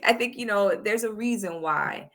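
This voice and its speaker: A woman's voice: mid-range voice, normal speed, fairly bright tone. A woman guest on a podcast, frank and chatty in casual conversation, laughing easily. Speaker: podcast guest and content creator. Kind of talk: casual chat.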